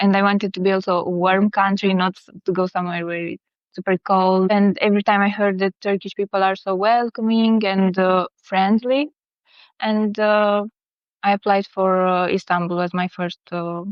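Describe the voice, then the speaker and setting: A woman's flat, monotone delivery at medium pitch, with big swings in loudness. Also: moderate pace. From Romania. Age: 20s. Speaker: exchange student. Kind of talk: interview. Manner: halting.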